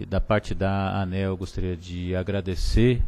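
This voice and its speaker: A man's fairly low voice, dark and mellow in tone, at a fairly slow pace with fairly even intonation. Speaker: regulatory agency moderator. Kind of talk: moderating a panel Q&A. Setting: seminar auditorium. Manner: formal.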